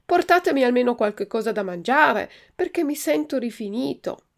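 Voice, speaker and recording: A woman's voice: on the high side, expressive, normal speed, pitched above the performer's own voice. A woman doing a pleading puppet boy. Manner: pleading, urgent. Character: impatient, cold wooden puppet boy.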